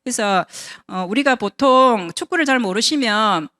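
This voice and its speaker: A woman in her fifties shares her own story with a seminar audience, her pitch rising and falling a lot as she talks. She speaks conversationally, often checking in with the listeners through rhetorical questions. The sound is dry and close, with little room around it. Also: animated, normal speed, sharp tone, no room sound. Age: 50s. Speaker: invited speaker at a business seminar. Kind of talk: personal testimony talk to an audience.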